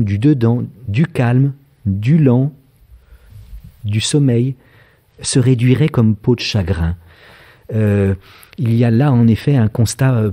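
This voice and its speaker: A man from France in his fifties delivers a philosophy lecture to a public audience. His voice is warm and mellow at a middle pitch, and he pauses often with filler sounds as he thinks aloud. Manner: thoughtful, frequent hesitations with filler sounds.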